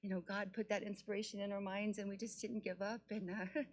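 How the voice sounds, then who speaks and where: A woman's voice: mid-range voice, flat delivery, a little fast. A woman giving informal, gushing public remarks at a meeting, laughing often as she speaks. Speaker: resident presenting a community project. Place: council meeting room.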